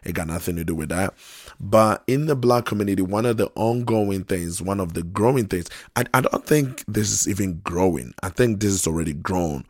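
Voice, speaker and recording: A man with a very low voice hosts his podcast while a little hoarse from losing his voice. He talks in an easygoing, rambling way, circling back and restarting his phrases. The sound is dry and close, with no room echo. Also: a little mellow. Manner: unhurried and conversational, repeats and restarts phrases. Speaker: podcast host. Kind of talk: casual solo podcast talk.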